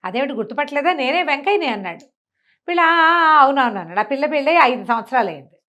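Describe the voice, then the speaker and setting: Female storyteller, higher register, informal and chatty, narrating a village tale with acted-out quotes. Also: lively intonation, quick pace, bright, forceful tone, dull audio. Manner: chatty, colloquial, acts out villagers' quoted remarks. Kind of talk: conversational oral storytelling of a folk tale.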